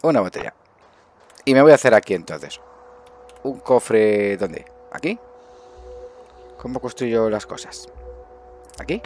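Male gaming host, middle-aged, Spain accent, lowish voice, chatty think-aloud commentary over faint music. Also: expressive, unhurried, long pauses, darkish tone. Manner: chatty, thinking aloud with muttered asides and self-questions. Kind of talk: casual improvised gameplay commentary. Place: indoors at a desk, webcam view.

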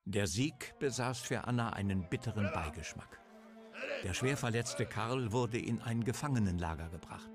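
Game story, calm and measured, deepish, music loud behind. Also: male voice. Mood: solemn. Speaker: narrator of the game. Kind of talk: scripted storybook narration.

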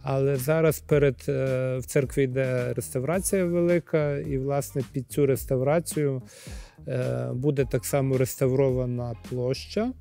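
A man's voice: mid-range voice, normal speed, gravelly, soft background music. A man in his forties, a priest from Ukraine, answering interview questions thoughtfully with hesitant fillers and recorded on a lapel mic. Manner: thoughtful, hesitant fillers, lively when acting out scenes. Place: library studio, then outdoor courtyard.

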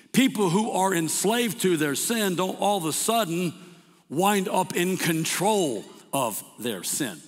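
A man preaching a sermon as pastor, emphatic, repeating words and slowing down to stress scripture. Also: high-pitched, fairly bright tone. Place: church sanctuary. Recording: long hall reverb.

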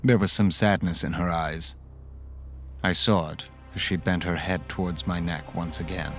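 An actor playing a doomed man, narrating his own death in a grave, measured horror style. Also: deep voice, fairly even intonation, faint music behind. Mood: sad, fading. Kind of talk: dramatic first-person horror narration.

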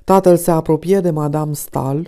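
A woman narrating a classic novel as an audiobook in a calm, even reading. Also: deep voice. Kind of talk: scripted narration.

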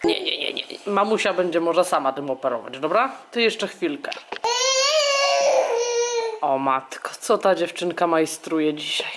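A woman's voice: low-pitched, animated, unhurried, pauses often, heavy background noise. A woman vlogging at home with her baby daughter, exclaiming, laughing and talking both to the child and to the viewers. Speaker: vlogger mother. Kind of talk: casual home vlog. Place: home indoors.

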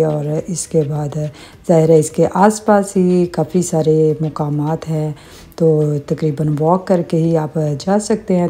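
A middle-aged woman narrating her family travel vlog as a calm voice-over, with religious greetings and small hesitations. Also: low voice. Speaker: vlogger.

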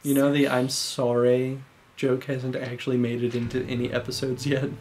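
A man's voice: medium pitch, flat delivery, normal speed, darkish tone, slight background noise. A man giving casual, wry and joking commentary over a video game. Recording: game music behind the talk.

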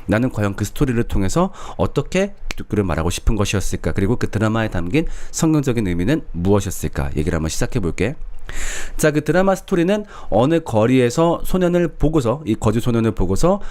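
Guy casually explaining religion through stories, lively up-and-down voice, rhetorical questions. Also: medium pitch, quick pace. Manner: informal, asks rhetorical questions, acts out dialogue. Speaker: explainer of Christianity.

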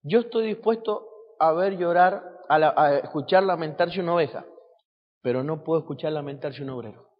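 A man's voice: on the high side, moderate pace, big-room sound, dull audio. A man preaching a sermon as pastor, asking his congregation rhetorical questions.

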